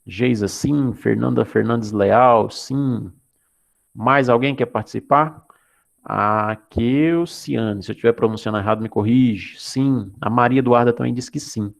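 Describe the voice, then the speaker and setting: A man's voice: mid-range voice, a little slow, vocal fry. A man from Goiás, Brazil, teaching an online class in an explanatory way, often checking in with his students. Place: Anápolis, Brazil.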